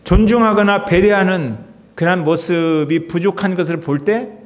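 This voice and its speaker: A man's voice: high voice, normal speed. A middle-aged man, a pastor, preaching a sermon in an emotive, conversational way to his congregation. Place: church sanctuary. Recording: reverberant church hall.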